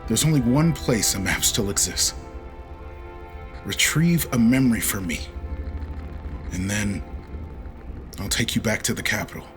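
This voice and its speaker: A slow-spoken, emotive starship captain. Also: male voice, lowish voice, expressive, music in the background. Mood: pleading. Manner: emotive, swinging from hushed pleading to outbursts. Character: homesick male spaceship captain, earnest, fiery, longing for lost world. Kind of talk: audio drama acting.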